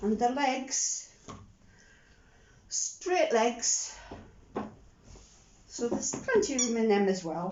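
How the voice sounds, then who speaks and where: A woman's high voice at a very slow pace, with very wide pitch swings and audible room echo. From Scottish Borders, near Berwick-upon-Tweed. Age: 60s. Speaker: crafting and haul vlogger. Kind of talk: casual haul video monologue.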